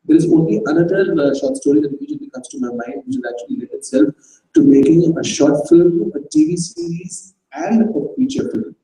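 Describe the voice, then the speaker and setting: A man's voice: sits high, very animated, brisk, vocal fry, mellow. Chatty man in an echoey hall. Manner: chatty, quizzes the audience. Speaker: event presenter. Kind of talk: casual talk to a live audience. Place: auditorium at an arts festival. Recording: echoey hall, distant mic.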